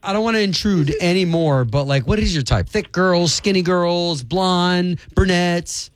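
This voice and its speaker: A man's voice: high-pitched, a little slow, dry recording. A male radio host in a studio, leading a call in a casual, chatty way. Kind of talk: morning radio banter.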